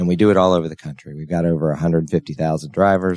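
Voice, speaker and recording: With a very deep, low pitch and fairly even intonation, a man speaks in a dry, close sound with no echo. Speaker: company founder. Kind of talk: interview.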